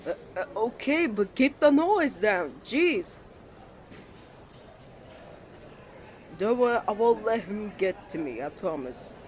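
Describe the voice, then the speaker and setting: A man's voice: sits high, sing-song, measured pace, a little hiss or hum. A man voicing a kind, earnest young twin brother who gets nervous and stammers easily in a romantic roleplay. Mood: annoyed, protective. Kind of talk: ASMR romantic roleplay acting.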